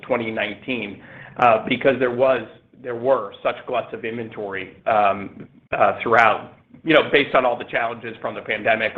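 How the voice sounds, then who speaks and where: A man speaking as a company executive answering analysts on an earnings call, in a halting, measured corporate way over a phone line. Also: mid-range voice.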